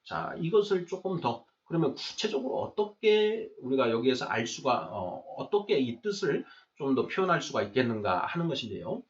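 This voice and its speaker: A man's voice: medium pitch, very animated, moderate pace, few pauses. A man giving an explanatory lecture in a question-and-answer format, stressing and repeating key phrases in a didactic way. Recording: distant mic, dull muffled sound.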